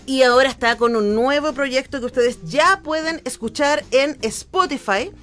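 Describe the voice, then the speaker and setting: A woman's voice: sits high, normal speed, fairly bright tone, soft background music. A woman with a Chilean accent hosting a casual live radio interview in an effusive, affectionate and informal way.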